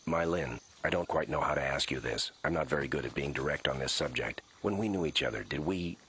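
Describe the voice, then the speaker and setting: A man voicing a stoic cartoon pig detective with a deadpan, formal delivery and an Ozark twang. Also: rumbling low, brisk, gravelly, husky, heavily acted. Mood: awkward, earnest. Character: stoic male pig detective, dry and wistful. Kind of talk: animated comedy acting. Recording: music behind the voice.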